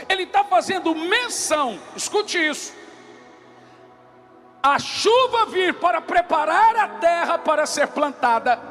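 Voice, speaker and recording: Brazilian male preacher, very high-pitched, impassioned emphatic sermon delivery, repetitive phrasing, music behind the voice. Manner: emphatic, declamatory, repeats phrases, often shouting. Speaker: preacher, pastor.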